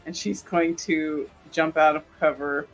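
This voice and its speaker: A man playing a tabletop game, haltingly describing his character's moves in casual chat. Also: a little high, fairly even intonation, a bit bright, faint music behind, low-quality recording.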